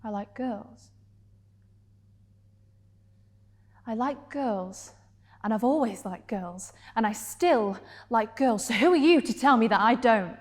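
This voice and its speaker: A woman performing a dramatic stage monologue as a hurt, defiant gay woman confronting her partner, deliberately and with heavy pauses. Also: fairly high pitch, animated. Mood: firm, defiant.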